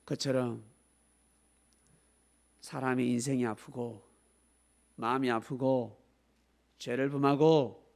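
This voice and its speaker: A man's voice: medium pitch, slow pace, vocal fry, long pauses. A man preaching a sermon at a youth service, asking the students questions and calling on them by name. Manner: animated, acts out scolding voices, asks the listeners questions. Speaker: pastor.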